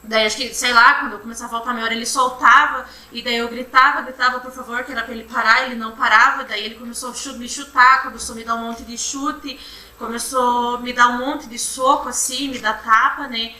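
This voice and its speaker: A young woman giving courtroom testimony, retelling events in a halting, repetitive way. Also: on the high side, steady tone, sharp tone. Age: young adult. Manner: halting, repetitive retelling, often restarting with "then". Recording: roomy courtroom from far off, faint hum.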